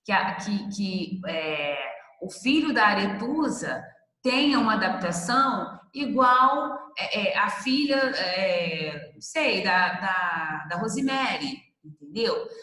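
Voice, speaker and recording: A woman lecturer teaches in a loose, conversational way, calling on students by name and tossing out rhetorical questions. Her voice sits at a middle pitch, carried by an echoing room with a long reverb tail. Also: sharp tone. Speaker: university lecturer. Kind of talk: online class lecture.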